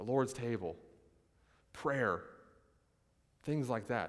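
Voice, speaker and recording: A man with an American accent speaks with vocal fry. The recording is very clean and the background silent. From US South, South Florida. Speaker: pastor. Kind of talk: sermon. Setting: church.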